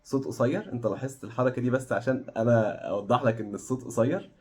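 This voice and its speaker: A man with an Egyptian Arabic accent teaching pronunciation, encouraging his students and slowly demonstrating vowel sounds over and over. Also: mid-range voice, a little mellow. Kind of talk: online pronunciation lesson.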